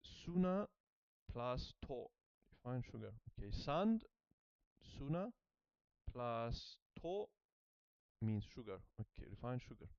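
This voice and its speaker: Man, hesitant, repeats himself, smooth voice, muffled dry recording. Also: medium pitch, very animated, slow, no echo. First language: German. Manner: hesitant, repeats words while working them out; soft self-conscious laughs. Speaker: language learner. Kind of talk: thinking-aloud study session. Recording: slightly muffled dry sound.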